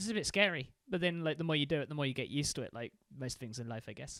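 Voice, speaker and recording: Recorded very cleanly with a silent background and a dry, close sound with no echo, a man with a British accent speaks at a fairly high pitch with ordinary pitch variation. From UK. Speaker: podcast co-host and streamer. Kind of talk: casual chat. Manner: fast.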